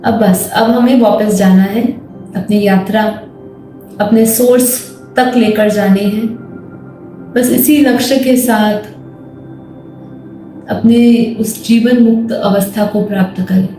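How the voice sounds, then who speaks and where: An Indian woman leading a guided meditation with spiritual teaching, calm, measured and instructive in manner. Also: mid-range voice. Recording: very echoey voice over faint music. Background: soft music.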